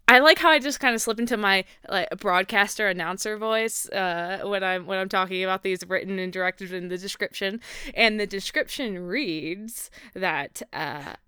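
A woman's voice: mid-range voice, fairly quick, hardly any pauses, sharp tone, smooth, no echo, studio quality. A woman co-hosting a casual podcast, chatty and laughing often, restarting her sentences as she talks. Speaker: podcast co-host. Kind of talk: casual chat.

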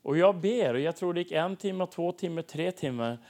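A man preaching and telling testimony stories in a lively way, acting out the dialogue of the people in them. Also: fairly high pitch. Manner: animated, acts out dialogue in stories. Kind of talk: sermon testimony storytelling.

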